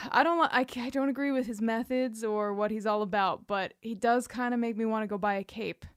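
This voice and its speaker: Clear-voiced woman chatting on a podcast. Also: on the high side, fairly even intonation, fairly quick, no echo, clean studio sound. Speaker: podcast co-host. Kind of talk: casual chat and personal storytelling.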